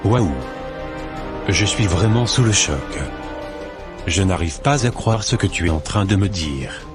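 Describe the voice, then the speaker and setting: A man's voice: deep voice, expressive, measured pace. A man playing an earnest, righteous Christian brother in an amateur cartoon, solemn and dismayed. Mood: shocked, puzzled. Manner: solemn, indignant. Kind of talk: amateur cartoon monologue and dialogue. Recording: music behind the voice.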